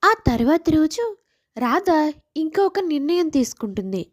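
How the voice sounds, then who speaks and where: A woman's voice: high voice, very animated, measured pace. A woman storyteller giving scripted narration of a moral family tale.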